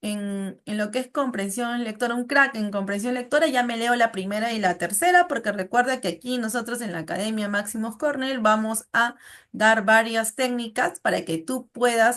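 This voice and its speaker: Over a quiet background, a woman speaks at a moderate pace with a fairly high pitch and ordinary pitch variation. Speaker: teacher. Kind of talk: online class lecture. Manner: animated.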